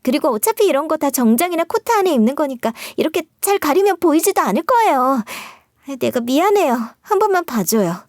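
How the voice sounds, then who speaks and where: A woman's voice: sits high, very animated, brisk, no echo, clean studio sound, pitched above the performer's own voice. A woman voicing a spoiled, pushy young sister-in-law who talks in a wheedling, pouty way in a story read aloud.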